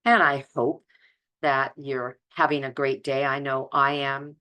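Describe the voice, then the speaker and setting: An older woman hosts a casual health vlog. Her voice sits unusually low for a woman and has a bright, crisp edge. She talks in an earnest, emphatic way, often repeating a word to stress it. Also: flat delivery, a little slow. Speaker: health vlogger. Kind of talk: casual, chatty talk to viewers.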